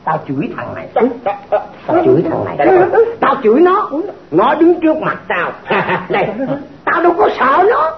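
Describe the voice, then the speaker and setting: A boastful blind fortune-teller, a high voice that swoops all over as he brags and bickers. The old recording sounds dull and roomy. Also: wildly swooping pitch, unhurried, crowd noise, exaggerated voice. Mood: indignant. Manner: bragging, quarrelsome, wildly swooping delivery. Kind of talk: stage comedy skit.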